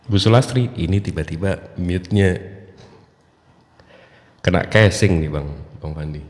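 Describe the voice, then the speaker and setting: A man's voice: low voice, unhurried, darkish tone, long reverb tail. A man casually hosting an online debate, joking and chatty. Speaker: debate host.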